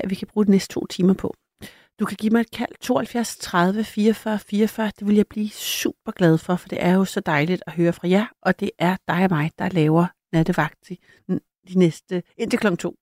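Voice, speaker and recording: A woman's voice: medium pitch, darkish tone, no room sound, clean studio sound. A woman hosting a late-night call-in radio show, chatty and a little hesitant, laughing easily with callers.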